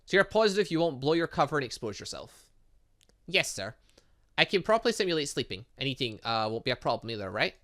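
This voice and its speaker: A man with a fairly high, bright voice reads visual novel lines aloud for a gaming video. His pitch moves around a lot as he goes. He drops in casual, playful asides and often stumbles on a word before fixing it. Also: fast talker. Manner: stumbles over words and corrects himself; animated, exclaims and reacts playfully.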